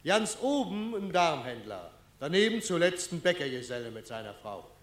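A male observer in a radio play, describing in matter-of-fact lists. His voice is fairly high and comes with a strong room echo. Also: very animated, normal speed. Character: male observer listing tenement residents floor by floor. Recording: echoey, roomy sound.

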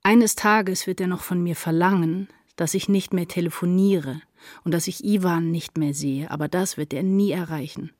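Actress as lowish-voiced anguished woman narrator. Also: steady tone, moderate pace, a little mellow, no echo, studio quality, natural voice. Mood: indignant, brooding. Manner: intense, introspective. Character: anguished woman writer narrating her inner turmoil. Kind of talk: literary radio play narration, interior monologue.

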